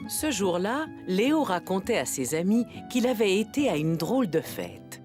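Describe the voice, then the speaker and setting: A woman narrating a scripted story for small children in a gentle storyteller's manner, with music behind. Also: mid-range voice, very animated, moderate pace, natural voice. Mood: gentle, storytelling.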